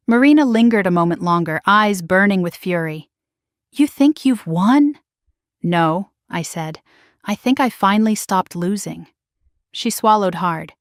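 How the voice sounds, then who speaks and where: A woman reading a first-person story in a steady, measured scripted narration. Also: medium pitch, clear, resonant tone, no room sound, clean studio sound.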